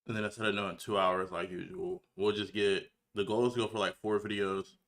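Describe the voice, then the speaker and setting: A man's voice: on the low side, little pitch movement, brisk, fairly bright tone. A nineteen-year-old man chatting casually and slangily on a livestream, laid-back as he talks to his viewers. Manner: laid-back, slangy, talking to chat while setting up. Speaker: livestreamer, gamer and reaction video creator.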